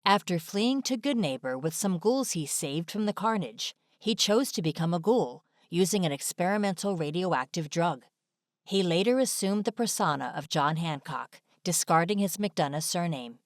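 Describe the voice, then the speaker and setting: A woman delivers scripted video narration in a fairly low voice. The sound is dry, like a studio voice-over, with no room echo.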